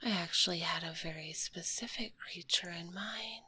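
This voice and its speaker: A woman playing a kind, curious spider monster girl in a whispered ASMR roleplay, speaking gently in a breathy, politely formal way, close to a binaural microphone. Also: on the low side, moderate pace, slight background noise. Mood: wistful, fascinated. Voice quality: breathy, hushed.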